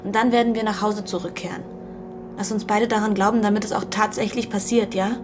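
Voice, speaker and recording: A woman's voice: medium pitch, fairly even intonation, fairly quick, over music, close to an everyday voice. An actress playing an anxious, homesick teenage girl in a radio play who snaps back and swears easily. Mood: insistent.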